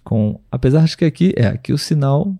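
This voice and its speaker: Patient male teacher with a dark voice. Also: mid-range voice, animated, gravelly. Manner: patient, repeats words slowly for learners, often checks with "tá?" and "né?". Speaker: podcast host and language teacher. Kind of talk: live podcast language lesson.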